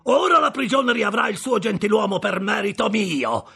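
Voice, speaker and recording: Guy putting on a brash shouting convict, gravelly and high-pitched, gloating. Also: animated, moderate pace, heavily acted. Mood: scornful. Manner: loud, shouting, triumphant. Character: boastful battered male escaped convict, scornful.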